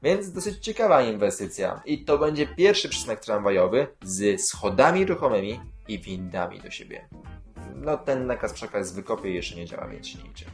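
A man's voice: on the low side, sing-song, normal speed, faint music behind. Rambling man with dry asides. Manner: rambling, many filler sounds and self-corrections. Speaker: YouTube host covering city transit news. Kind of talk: casual news roundup.

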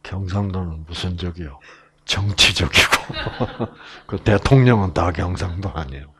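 A man's voice: low voice, a little slow, bright, forceful tone, a little hiss or hum. A middle-aged man with a Gyeongsang Korean accent, giving a Bible lecture in a chatty storytelling way with many fillers and asides. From Gyeongsang province, Korea. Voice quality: gravelly and husky. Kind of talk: relaxed anecdotal Bible lecture.

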